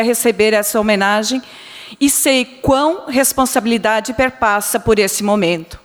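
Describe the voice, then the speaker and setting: A middle-aged woman teacher with a Brazilian Portuguese accent giving a gracious, formal thank-you speech. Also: mid-range voice. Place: council chamber. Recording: long reverb of a council chamber.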